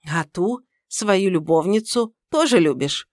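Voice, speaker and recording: Woman doing a bossy older mother-in-law, high and loud, scolding nonstop, dry close voice. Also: big pitch swings, moderate pace, no room sound. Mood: reproachful. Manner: scolding, indignant, shrill. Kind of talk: audiobook character reading.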